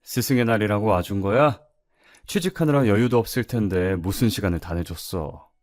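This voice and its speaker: 남자가 연기하는 다정한 담임 선생님. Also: male voice, lowish voice, normal speed, no room sound, clean studio sound, natural voice. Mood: gentle. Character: kind caring high school teacher.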